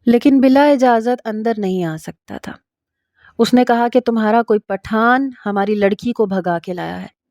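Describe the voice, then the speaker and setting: Fields: Sex: woman. Style: first-person story narration. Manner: steady. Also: mid-range voice, no echo, clean studio sound.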